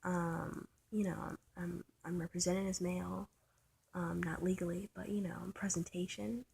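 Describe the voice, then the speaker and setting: A trans man with a soft, light voice, thinking aloud in a personal vlog, halting and searching, often trailing into a whisper. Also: sits high, level tone, creaky, slight background noise. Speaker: vlogger. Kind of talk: personal reflective vlog monologue.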